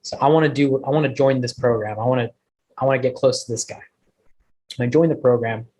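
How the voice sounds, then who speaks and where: A man's voice: mid-range voice, fast talker, a little mellow, poor audio. A man originally from Bangladesh, speaking as a guest to an online networking group, telling his story with energy and emphatic repetition.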